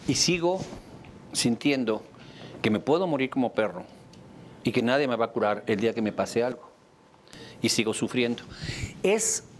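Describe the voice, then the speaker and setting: A Mexican man with a mid-range voice addresses a live audience as a therapist. His delivery is animated and theatrical, with sudden high leaps in pitch as he acts out everyday examples. A faint hum sits under his voice. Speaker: therapist giving a talk.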